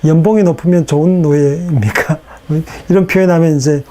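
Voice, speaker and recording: A man giving a recorded lecture in a casual, unhurried way, with fillers and rhetorical questions, his voice strained from hours of recording. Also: a little high, steady tone, warm tone, a little hiss or hum.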